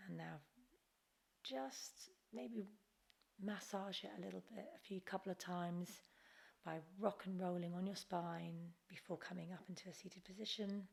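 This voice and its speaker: A woman yoga teacher leads a class in a lowish voice with a lot of vocal fry. She takes her time between phrases, guiding each step gently and with encouragement. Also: steady tone, a little slow. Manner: gentle, encouraging, unforced guidance. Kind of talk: guided Kundalini yoga class instruction.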